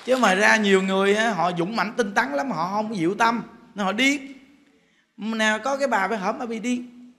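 A man's voice: sits high, normal speed, pushed and bright, a little hiss or hum. A man with a Southern Vietnamese accent, a Buddhist monk giving a humorous storytelling sermon. He jokes, chats and repeats words as he builds a point.

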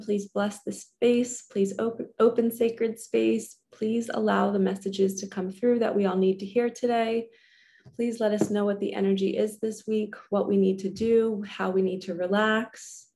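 A woman in her thirties with a mid-pitched voice and slow pace. She speaks soothingly and deliberately, like a spiritual host leading guided affirmations. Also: flat delivery, dark tone. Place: small furnished room indoors.

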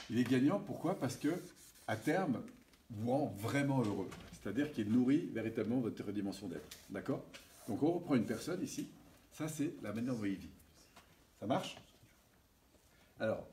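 A man giving a seminar lecture, animated and checking in with his audience often. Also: medium pitch. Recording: distant mic with faint hiss.

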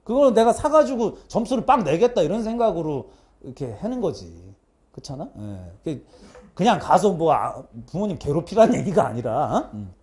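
A man's voice: on the high side, very animated, normal speed, darkish tone. A middle-aged man lecturing students in a chatty, teasing way, often acting out his mother's lines. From South Korea. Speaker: social studies lecturer.

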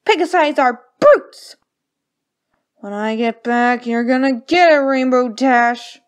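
High-pitched, prim, melodramatic unicorn fashionista. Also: female voice, expressive, slow. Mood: fierce, indignant. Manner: theatrical, refined, affected ladylike diction. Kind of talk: fan voice reel of cartoon lines.

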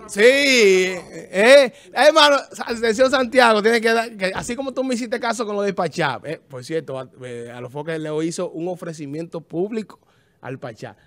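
A man hosting a TV show, chatting casually and making his point emphatically, repeating words as he lectures about looking on the bright side. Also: sits high, lively intonation, moderate pace. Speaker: TV show host. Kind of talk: casual studio banter on a TV show.

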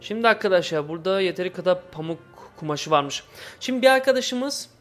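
A man with a slightly high voice hosts a casual gaming video. His Turkish is imperfect and halting, with word forms that come out muddled, as he comments on his play. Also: expressive, fairly bright tone, faint music behind. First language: not Turkish, speaks imperfect Turkish.

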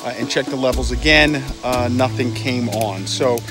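A man's voice: mid-range voice, moderate pace. A middle-aged man chatting casually as an RV vlogger, upbeat with lots of fillers, filmed on a phone at arm's length. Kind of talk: casual travel vlog with voice-over. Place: inside a car, then outdoors by an RV. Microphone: phone held at arm's length. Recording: music bed playing under the voice. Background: background music.

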